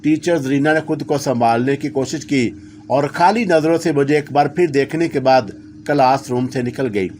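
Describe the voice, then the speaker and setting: A man's voice: mid-range voice, moderate pace, a little mellow, a little hiss or hum. A man telling a first-person horror story in a dramatic, scripted narration style.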